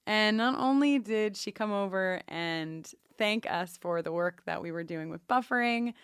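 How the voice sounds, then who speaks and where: Female podcast co-host, casual and effusive, clean smooth voice, close dry sound. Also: medium pitch, measured pace, dry recording. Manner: effusive, playfully repeats phrases. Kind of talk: casual podcast chat with announcements.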